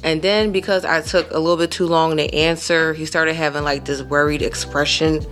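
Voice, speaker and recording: A woman in her thirties hosting a podcast, telling a personal story in a casual, animated way with emphatic asides to her listeners. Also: low voice, moderate pace, soft background music. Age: 30s. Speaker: podcast host.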